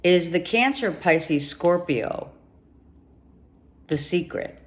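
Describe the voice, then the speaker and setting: A low-pitched woman speaks slowly and deliberately as she lays out a tarot reading for her viewers. She repeats key points for emphasis and addresses the listener directly. Her voice is wearing thin and turning hoarse. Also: expressive, a little hiss or hum. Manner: emphatic, repeats herself, talks straight to the viewer. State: losing her voice, coughing. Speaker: tarot reader.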